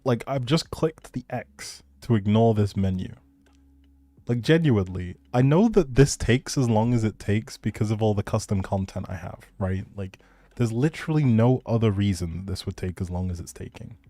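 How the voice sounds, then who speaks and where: A man's voice: on the low side, lively intonation, moderate pace, mellow, no echo. A man chatting casually with viewers as a live game streamer, in a laid-back, informal and reassuring way. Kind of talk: casual livestream chat with viewers.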